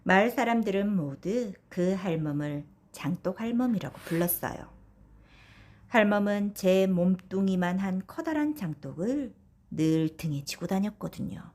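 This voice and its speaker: A woman narrating a traditional folktale as a gentle bedtime story for children. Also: mid-range voice, animated, measured pace. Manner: soft storytelling tone addressed to children. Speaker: audiobook narrator.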